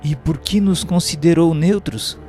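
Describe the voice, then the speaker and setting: An actor playing an earnest, respectful spirit apprentice who asks questions in a Brazilian Portuguese radio drama. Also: male voice, fairly high pitch, a little slow, darkish tone, natural voice. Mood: curious. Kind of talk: scripted radio drama acting. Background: prominent background music.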